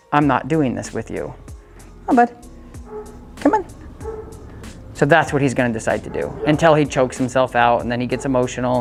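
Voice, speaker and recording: Low-voiced woman coaching dog owners. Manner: casual and chatty, full of fillers, breaks off to give the dog short upbeat commands. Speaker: dog trainer.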